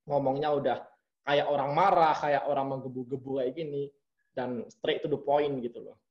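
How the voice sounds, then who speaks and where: A man talks casually as an interview guest, telling his stories with animation. His voice sits a little high. The recording is dull and lo-fi. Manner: animated storytelling, acts out quoted bosses. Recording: muffled lo-fi audio.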